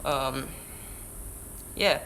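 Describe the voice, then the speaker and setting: Here the Hebrew-accented Israeli teenager, a surfer vlogger streaming indoors by a window, sounds mid-range, very slow, gravelly, bright and forceful as he reads viewer questions and chats, repeatedly restarting words. The camera-mounted shotgun mic gives poor audio with a little hiss or hum.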